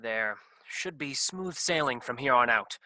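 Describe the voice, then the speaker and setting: Man playing a sharp-voiced, self-important comedy doctor. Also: medium pitch, animated, measured pace, no room sound. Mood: clinical. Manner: hesitant stammer turning to bossy, melodramatic gravity. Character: flustered, self-important male doctor who operates on scripts. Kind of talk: comedy sketch staged reading.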